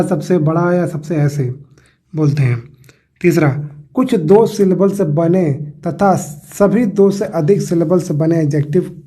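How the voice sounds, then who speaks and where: A young man teaching English grammar in a casual, patient lesson, repeating points and pausing with "uh" fillers. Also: sits high, mellow, breathy edge.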